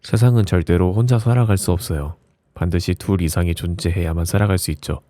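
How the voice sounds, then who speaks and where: A man with a low, mellow voice narrates reflective essays for an audiobook in a soft ASMR manner, soothing and gentle like a bedtime reading. His pace is brisk, and the studio recording is clean with no echo.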